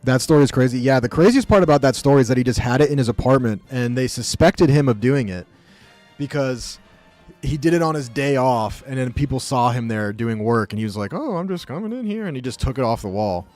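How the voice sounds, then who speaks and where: A man's voice: mid-range voice, brisk, darkish tone, faint music behind. A man streaming live, chatting casually with viewers, joking and rambling as he reacts to the chat.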